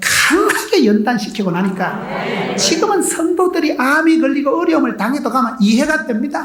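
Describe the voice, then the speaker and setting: With a strong Gyeongsang accent, a man talks at a moderate pace in an animated tone with very wide pitch swings, amid noticeable background noise and audible room echo. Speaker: pastor. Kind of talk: revival sermon.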